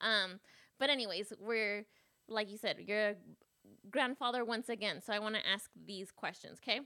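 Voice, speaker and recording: Bright, sharp tone in a Spanish accent, at a moderate pace, with long, frequent pauses. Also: woman, fairly high pitch for a woman, fairly even intonation. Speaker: podcast host. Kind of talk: casual chat; scripted outro. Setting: studio, livestreamed on video.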